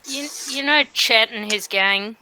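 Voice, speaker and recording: A woman voicing an aggrieved teenage adventuring-school student in a tabletop game, complaining earnestly and haltingly. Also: fairly high pitch, pushed and bright, dry recording, poor audio. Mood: indignant.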